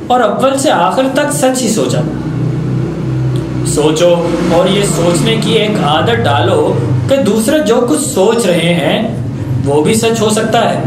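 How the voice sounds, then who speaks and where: A man giving a dramatic reading of literary Urdu prose in a theatrical, deliberate, rhetorical manner with emphatic pauses. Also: high voice. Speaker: literary reader. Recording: very echoey, faint background noise.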